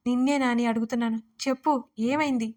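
A woman's voice: fairly high pitch, flat delivery, brisk, darkish tone, close to an everyday voice. A woman voicing a stern old grandmother who scolds and reproaches her grandson in an audio story.

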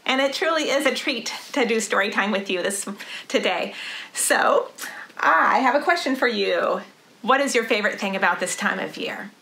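High, bright-voiced woman leading children's storytime. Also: creaky. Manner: animated, deliberate sing-song rhythmic delivery for young children. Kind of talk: children's storytime read-aloud. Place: living room, indoors.

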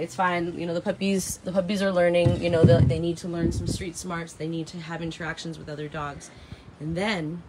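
A woman in her thirties with a raspy voice, chatting casually and dramatically to live stream viewers, repeating phrases for emphasis. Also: lowish voice. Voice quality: raspy from heavy singing. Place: open porch of a house and its garden, outdoors. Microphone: phone at arm's length. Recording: noisy outdoor phone recording.

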